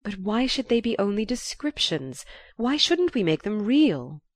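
A woman voicing a young gentleman who pleads urgently and persuasively. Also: medium pitch, sing-song, a little slow, no echo, voice pushed up. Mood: pleading. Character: young gentleman, eager and pleading, sometimes exasperated.

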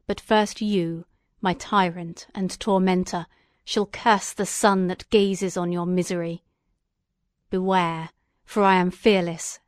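A woman's voice: mid-range voice, clear, resonant tone, no room sound, clean studio sound, natural voice. A woman voicing a bitter, vengeful male creature in an audiobook reading, speaking in a brooding, threatening way.

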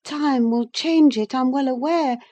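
A woman's voice: high voice, unhurried, warm tone, highs cut off, pitched above the performer's own voice. A woman reader voicing a passionate, headstrong young woman torn in love, speaking with impassioned fervor. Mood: fervent. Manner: fervent, impassioned declaiming.

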